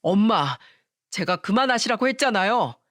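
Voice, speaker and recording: A woman's voice: mid-range voice, lively intonation, normal speed, fairly bright tone, close to an everyday voice. A frustrated husband pleads with his mother to stop, his voice firm and close, as a woman reader plays him. The read is dry, with no echo. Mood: exasperated. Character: exasperated adult husband, protective of wife.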